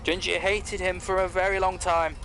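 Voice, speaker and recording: A man's voice: high voice, little pitch movement, moderate pace, fairly bright tone, soft background music. An actor playing a polite, loyal clockwork man who explains things formally in an audio drama. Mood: matter-of-fact. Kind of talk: scripted audio drama acting.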